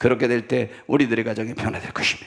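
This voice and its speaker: This man's medium-pitched voice moves at a very fast pace. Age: 60s. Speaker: pastor. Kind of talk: sermon. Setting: church.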